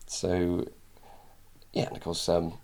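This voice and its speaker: A man, an author, chatting casually on a podcast, telling lively anecdotes with many pauses and ums. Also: sits low, creaky. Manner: animated storyteller, many ums. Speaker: author guest.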